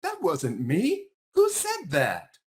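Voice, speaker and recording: Guy doing a girl bear from a kids book, kind but says it straight, higher voice, emphatic. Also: wildly swooping pitch, takes it slowly, full character voice. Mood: indignant. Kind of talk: picture-book character voice.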